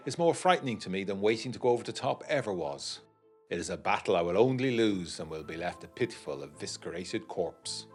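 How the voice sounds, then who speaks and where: Gothic audiodrama lead: man playing young gentleman veteran, low-pitched, wry, literary letter narration over music. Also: close to an everyday voice. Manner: literary, genteel, wryly confiding. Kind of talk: scripted first-person letter narration, gothic period audiodrama.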